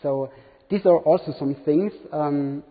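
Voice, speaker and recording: A man's voice: a little high, unhurried. A man in his thirties, not a native English speaker, giving a hesitant demo talk with many fillers in a large conference hall. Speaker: conference presenter. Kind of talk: live product demo talk. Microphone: room recording from far camera. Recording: tinny, reverberant hall from far off.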